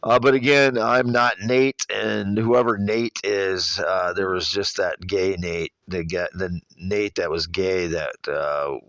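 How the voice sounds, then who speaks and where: A middle-aged man with a Midwestern American accent speaks in an extremely low, gravelly voice, congested from allergies. He rambles through a personal monologue, stopping, repeating and correcting himself. The sound is dry and close, with little room on it. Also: fairly even intonation, fairly bright tone, no echo. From Iowa, United States. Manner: halting, repetitive, self-correcting.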